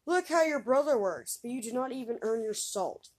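A woman's voice: a little high, animated, moderate pace, husky. A woman voicing a weary, exasperated old father who sighs and scolds his son. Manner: sighing, scolding.

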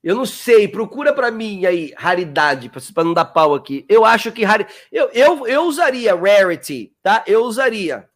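A man with a high, fairly bright voice teaches English on a live stream, very animated. He's chatty and coaxing, slowly repeating words to model pronunciation and calling out viewers' names.

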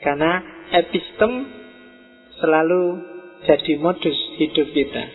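A middle-aged man giving a relaxed, conversational philosophy lecture to students and slipping into Javanese words. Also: fairly high pitch, a little slow, faint music behind. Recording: tinny phone-like audio in a reverberant hall.

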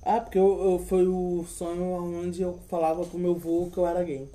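A man's voice: high voice, little pitch movement, moderate pace, mellow. A young man chatting casually with friends, telling stories and laughing often. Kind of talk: casual chat among friends.

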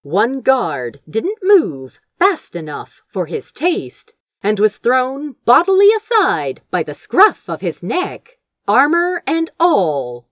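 A woman's voice: on the high side, slow pace, hardly any pauses, no room sound, clean studio sound. A woman reading fiction aloud as dramatic, theatrical narration. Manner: expressive, theatrical storytelling. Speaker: audiobook reader of fan fiction.

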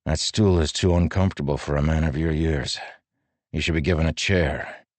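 A man voicing a stern, burdened middle-aged warlord who speaks in a firm, measured, grave way. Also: rumbling low, steady tone, darkish tone, no room sound. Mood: earnest. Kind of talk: audiobook character voice.

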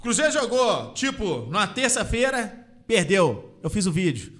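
An excitable man in casual chat. His high voice swings widely in pitch, and his tone is bright and forceful. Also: normal speed. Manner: excitable, loud, laughing.

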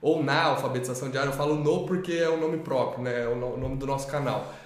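Talking quickly in a medium-pitched voice, a man co-hosts a casual explanatory talk on teaching children to read for a literacy channel. He rambles with frequent restarts and tag questions, recorded in an echoey room.

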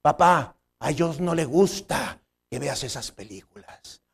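A man's voice: fairly high pitch, lively intonation, unhurried, vocal fry, breathy edge, exaggerated voice. A man, a pastor, putting on the voice of a little boy who scolds his father. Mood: scolding. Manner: preachy, scolding.

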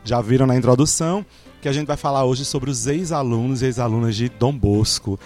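A priest hosting a podcast, who welcomes his guests and explains things at length in a chatty way. His voice sits at a middle pitch for a man. Faint music plays behind him. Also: fairly quick, darkish tone. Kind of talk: relaxed conversational podcast hosting.

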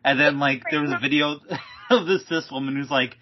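A man's voice: mid-range voice, fairly even intonation, brisk. A man co-hosting a podcast in casual chat, hesitant and full of likes and restarts. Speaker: podcast co-host. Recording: dull lo-fi podcast audio.

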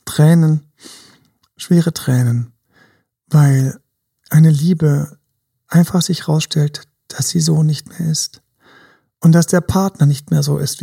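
A man's voice: fairly high pitch, fairly even intonation, unhurried, creaky, long pauses, dark tone, breathy edge. A man, a dating coach, musing in a casual podcast chat and acting out advice to his younger self, now and then dropping into a whisper and slipping in English words. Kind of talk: casual reflective podcast talk.

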